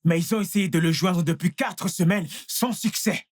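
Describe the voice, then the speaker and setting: A man's voice: high-pitched, moderate pace. Man playing an anxious, soothing young man. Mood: explaining. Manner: soothing, repeating himself. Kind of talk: dubbed film drama.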